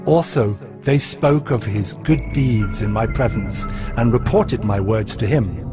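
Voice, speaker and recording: A man playing a steadfast, devout ancient governor, narrating his memoir of scripture in a solemn, measured way. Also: lowish voice, natural voice. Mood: solemn, resolute. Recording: music behind the voice.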